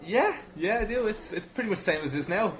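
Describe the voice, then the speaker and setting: A man's voice: high voice, animated, fast, a bit bright. A twenty-year-old man chatting casually as a podcast guest, with dry, self-deprecating humour. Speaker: podcast guest, wrestling video maker. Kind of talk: casual chat. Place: inside a busy gym.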